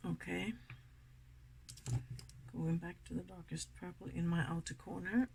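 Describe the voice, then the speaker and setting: A woman from Sweden with a Swedish accent, chatting softly and giggling through a makeup tutorial, sometimes dropping to a whisper. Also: lowish voice, steady tone, a little slow, gravelly, a little hiss or hum. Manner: soft-spoken, giggly, often drops to a whisper. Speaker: makeup vlogger. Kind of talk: casual makeup tutorial chat.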